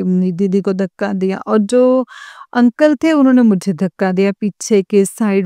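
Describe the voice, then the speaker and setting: A woman's voice: a little high, dark tone, clean tone, dry recording, clean studio sound. A young woman earnestly telling a personal story to a religious congregation, addressing her listeners again and again. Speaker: devotee sharing experience.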